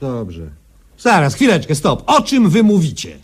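A man's voice: on the high side, wildly swooping pitch, measured pace. An actor playing a bewildered, impatient young man who keeps demanding answers in a comic radio play. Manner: exasperated questioning.

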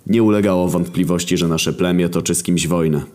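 Very low-voiced guy reading a crude funny story, deadpan and sardonic. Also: brisk. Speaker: narrator. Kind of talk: scripted narration of a crude comic story.

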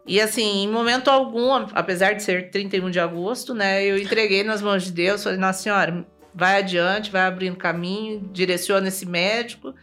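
A Brazilian woman as an interview guest, telling a personal story in a lively way, acting out remembered dialogue and often tagging her sentences with "né?". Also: medium pitch, a little fast, hardly any pauses, faint music behind. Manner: lively, acts out remembered dialogue, tags lines with "né?".

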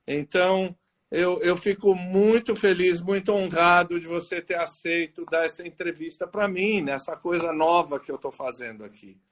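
A man's voice: high voice, moderate pace. A man hosting a live video-call interview, chatty and teasing his guest with jokes. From Greek. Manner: jokey, teasing banter. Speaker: host.

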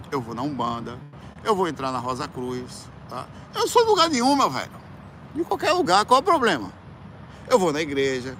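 A man with a Brazilian Portuguese accent, a musician casually telling a personal story, animated and colloquial, acting out quoted voices with loud outbursts. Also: a little high, background noise.

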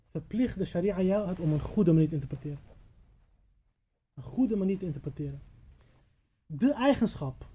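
Male preacher, husky and very dark, high-set voice; storytelling sermon, stumbles and repeats words; dull lo-fi recording. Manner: repeats and restarts words while telling. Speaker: religious teacher at a gathering.

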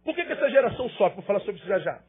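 A male pastor delivers an emphatic sermon, driving points home with rhetorical questions and repeated phrases. His voice sits very high and sounds husky and breathy. The live recording is dull and lo-fi. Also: sing-song, rapid-fire.

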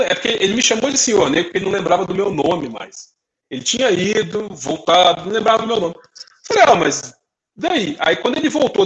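A man's voice: high-pitched, poor audio. A young adult man from Brazil, co-hosting a casual podcast chat and telling stories, acting out the people in them with quoted voices. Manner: animated, acts out dialogue in quoted voices. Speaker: podcast co-host.

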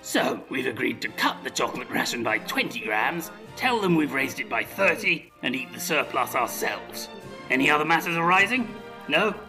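A man's voice: mid-range voice, sing-song, normal speed, over music. A man playing a petty, shameless dictator in a comedy audio drama, with a pompous, self-serving manner. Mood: scheming, pompous. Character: petty, shameless male dictator of a comic dystopia.

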